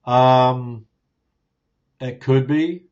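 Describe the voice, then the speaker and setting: A New Zealand YouTuber answers viewer questions in a casual live Q&A, rambling in a relaxed way, drawing out words, restarting sentences and filling gaps with ums. His mid-pitched voice is caught by a clip-on lapel mic on a phone in a home studio with a ring light, softboxes and plants, so the sound is a little dull and lo-fi.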